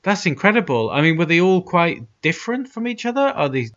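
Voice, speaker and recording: A man hosting a casual podcast chat, heard through a cheap plug-in telephone-type microphone with low audio quality. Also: very animated, brisk, a bit bright. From United Kingdom. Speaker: podcast host. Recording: dull lo-fi cheap mic.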